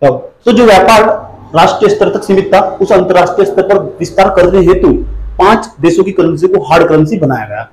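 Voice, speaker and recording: A man's voice: high voice, fairly quick, darkish tone, roomy sound, low-quality recording. A man teaching an exam-prep lecture, repeating points again and again, quizzing and scolding his students. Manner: repetitive drilling, asks students questions.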